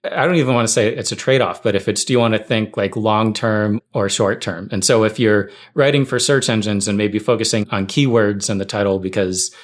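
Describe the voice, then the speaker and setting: A man's voice: fairly low pitch, a little fast, few pauses. A man talking conversationally and anecdotally as a guest in a casual podcast chat. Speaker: tech writer, podcast guest.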